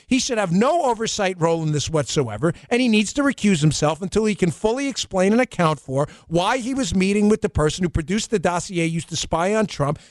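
A man hosting a political talk show, talking fast and mocking, with a faint New York accent. His voice sits high for a man and swings widely up and down. The sound is close and dry, with no room around it. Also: no echo. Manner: rapid, sarcastic, mocking. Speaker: host.

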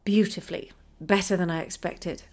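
A woman's voice: on the low side, fairly even intonation, moderate pace, a little mellow. A woman doing a playful, loving storybook mother. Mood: tender.

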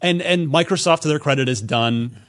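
A man hosting a casual video game news discussion, often repeating words as he thinks out loud. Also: on the high side, fairly quick. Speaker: podcast host.

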